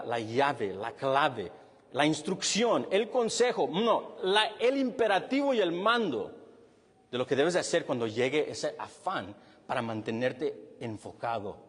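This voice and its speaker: A male pastor preaching a sermon with a husky voice, animated and then dropping low and quiet to stress a point. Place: church hall with long reverb. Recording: reverberant church hall.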